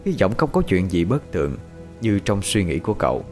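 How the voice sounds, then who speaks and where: Man narrating a horror story, low voice, lively intonation, faint music behind. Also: brisk. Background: faint background music.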